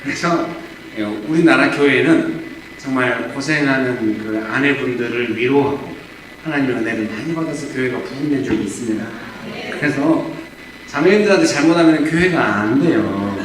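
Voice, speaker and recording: A man's voice: mid-range voice, moderate pace. A middle-aged man preaching a sermon as pastor, talking conversationally and acting out quoted dialogue with humor. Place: church sanctuary. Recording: echoey church hall from a distant mic, faint room noise.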